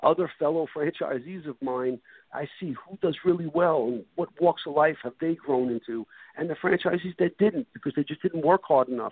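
Fairly high-pitched male speech with ordinary pitch variation and a slight Brooklyn accent. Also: moderate pace. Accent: slight Brooklyn New York. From Brooklyn, New York. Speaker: franchise company CEO. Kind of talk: interview.

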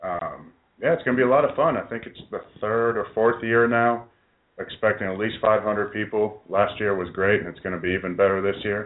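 His is a plain, everyday voice, pitched fairly low. The man's intonation stays fairly even throughout. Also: moderate pace. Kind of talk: casual chat.

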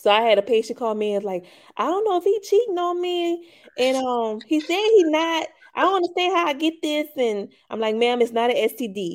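Moderate-paced speech in an American accent with very wide pitch swings. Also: woman, high pitch for a woman. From New Orleans, US South. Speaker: nurse practitioner and women's health business owner. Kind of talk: casual interview chat.

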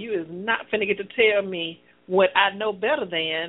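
It is a plain, everyday voice. The pitch shows ordinary variation. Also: woman. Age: 40s. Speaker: internet radio talk show host. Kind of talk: casual talk show discussion with callers. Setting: phone-in internet radio.

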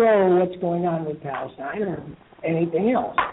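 Speech at a moderate pace with ordinary pitch variation comes through over noticeable background noise. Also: man. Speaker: rock singer and artist. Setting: phone call.

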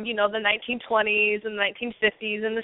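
At a fairly slow pace, the speaker uses an ordinary speaking voice. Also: woman. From raised in Italy and Greece, then Idaho. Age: 20s. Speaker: pageant titleholder and mentor. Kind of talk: talk radio interview.

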